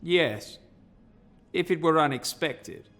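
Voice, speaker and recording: An actor playing a matter-of-fact medical expert in a television courtroom drama, answering tersely and with certainty. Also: male voice, a little high, expressive, slow, fairly bright tone, long reverb tail, full character voice. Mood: clinical.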